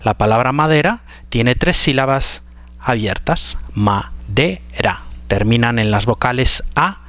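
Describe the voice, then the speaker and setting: Male language teacher, mid pitch, careful explanatory delivery, dry close sound. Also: a bit bright, dry recording. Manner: slow, careful, drawn-out example words. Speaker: Spanish pronunciation teacher. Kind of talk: explanatory lesson.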